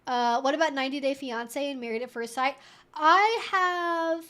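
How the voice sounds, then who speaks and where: A woman's voice: sits high, moderate pace, pushed and bright. A woman hosting a casual Q&A livestream, talking in a chatty, rambling way full of informal asides. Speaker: livestream host answering viewer questions.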